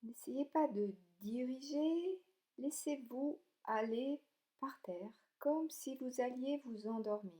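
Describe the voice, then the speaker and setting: A woman leading a guided yoga relaxation, speaking calmly and soothingly in short, gentle instructions with pauses between them. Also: high voice. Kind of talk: slow guided meditation narration.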